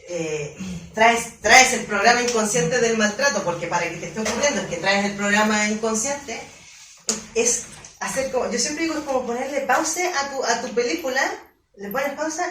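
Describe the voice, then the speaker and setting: High-voiced woman lecturing in a roomy hall. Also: moderate pace, slight background noise. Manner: animated, stumbles and repeats words mid-sentence. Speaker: coach and emotional therapist. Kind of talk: conference lecture. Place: conference hall. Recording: roomy echo, mic from far off.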